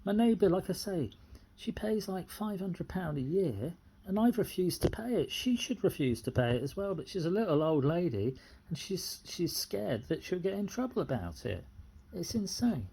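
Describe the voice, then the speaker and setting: A middle-aged tenant with a British accent airs a complaint off the cuff, indignant and circling back over the same points in an unscripted grievance monologue. The mid-range voice swings widely in pitch at normal speed, with vocal fry and a dark, husky tone. Audio quality is poor.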